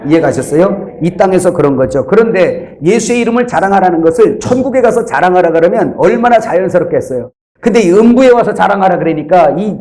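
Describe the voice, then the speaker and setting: A man preaching as pastor, telling stories with lively energy and acting out the voices of the people in them. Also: high-pitched, roomy sound. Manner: animated storytelling, acting out quoted voices. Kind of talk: sermon.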